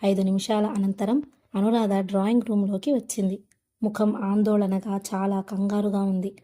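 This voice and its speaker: A woman narrating a novel aloud in a steady, even storytelling manner. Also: mid-range voice, moderate pace. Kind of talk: audiobook novel reading.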